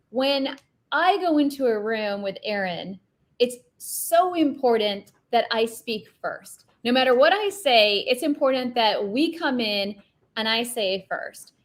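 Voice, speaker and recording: A woman film director with a light, higher-pitched voice, speaking earnestly and reflectively as an interview guest. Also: lively intonation, a little slow. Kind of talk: conversational interview.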